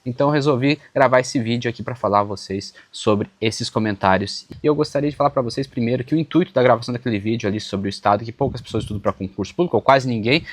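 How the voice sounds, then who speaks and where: Fast-talking southern Brazilian man. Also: mid-range voice, no echo. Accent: southern Brazilian, Santa Catarina. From western Santa Catarina, southern Brazil. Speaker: YouTuber on public service exam preparation. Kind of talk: casual direct-to-camera commentary, responding to comments. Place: outdoors on a small farm.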